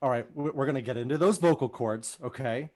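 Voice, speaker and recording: A man's voice: medium pitch, fairly quick, a little mellow, pitched below the performer's own voice, natural voice. A man playing an earnest, hesitant surgeon in improvised comedy, speaking matter-of-factly. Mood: earnest, clinical. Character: earnest, halting surgeon calmly planning absurd operation.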